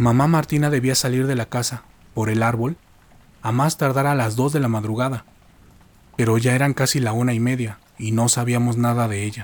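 At a moderate pace, a man talks in a normal speaking voice of medium pitch with fairly even intonation. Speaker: horror story narrator. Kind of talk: ghost story telling, hushed scripted narration of a first-person horror tale.

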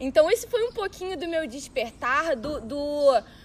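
Against noticeable background noise, a woman speaks at a very slow pace with very wide pitch swings. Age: 20s. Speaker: writer and spiritual mentor. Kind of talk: casual interview, personal story.

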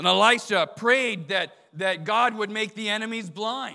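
A man's raised, projected voice, high-pitched with a bright, sharp tone, ordinary pitch variation and a fairly slow pace. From Canada. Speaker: pastor. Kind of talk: sermon. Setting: church.

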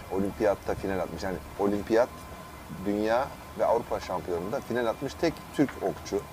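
A man speaks at a moderate pace with fairly low pitch and ordinary pitch variation. He leaves long, frequent pauses while music plays in the background. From Turkey, Sakarya. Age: 40s. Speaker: archery coach and PE teacher. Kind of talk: interview.

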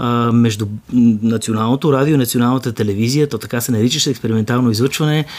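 Very fast man at medium pitch with fairly even intonation. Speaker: former radio host. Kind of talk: casual chat.

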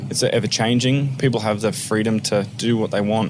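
A man speaks over background music. His voice sits fairly low, with fairly even intonation. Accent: Australian. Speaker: brewery business development manager. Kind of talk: casual chat.

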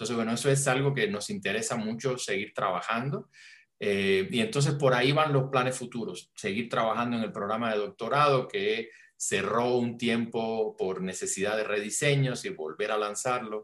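The speaker has a plain, everyday voice, talking at a moderate pace with ordinary pitch variation. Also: man, medium pitch for a man. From Cuba. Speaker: historian and research center director. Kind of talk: interview.

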